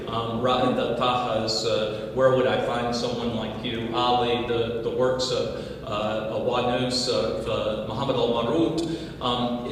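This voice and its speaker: A man on a panel speaks in a scholarly way, pausing with hesitations as he lists examples. The sound is distant and very echoey, with a long reverb, as if from across a hall. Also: medium pitch, a little hiss or hum. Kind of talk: panel discussion.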